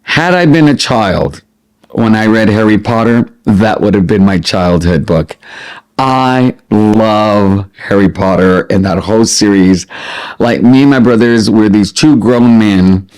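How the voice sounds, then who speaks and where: A middle-aged man chatting casually as a vlogger, expressive and prone to wandering off on tangents as he answers questions. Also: fairly low pitch, a little slow. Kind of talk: casual chat to camera, answering listed questions.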